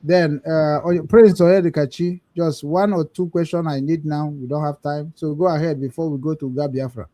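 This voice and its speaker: Brisk male talk show host. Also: a little high, fairly even intonation, mellow, dry recording. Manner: brisk, hurries to wrap up.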